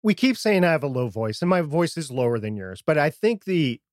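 A man with a quiet, slightly muddled voice co-hosting a podcast in casual conversation. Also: on the high side, very animated, fairly quick, dry recording, clean studio sound. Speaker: podcast co-host. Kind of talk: casual chat about audio gear.

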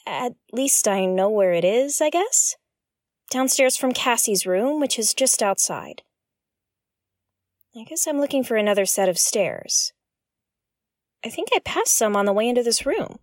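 A young female space explorer in an audio drama. Her voice is fairly high and lively, recorded dry and close. She muses aloud with wry curiosity. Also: measured pace, pauses often, no room sound. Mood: curious, musing. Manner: talks to herself, wry and inquisitive. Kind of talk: audio drama acting, narrating actions aloud.

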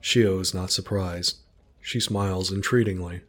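A man narrating a story in a calm, descriptive way. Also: sits low, unhurried.

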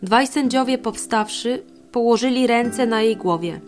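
A woman reading a scripture passage in a calm, measured way. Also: fairly high pitch, faint music behind. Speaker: scripture reader.

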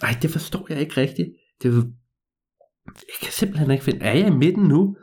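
A man's voice: on the high side, animated, darkish tone, pitched above the performer's own voice, natural voice. A man voicing a nervous teenage boy who stammers and whines when he gets lost. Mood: confused, whiny. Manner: hesitant, stammering, whiny.

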